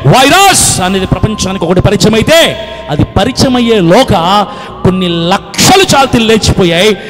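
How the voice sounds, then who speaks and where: Male preacher, fiery and emphatic, animated high delivery; reverberant hall with faint music. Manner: fiery, emphatic, repetitive, often shouting. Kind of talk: sermon.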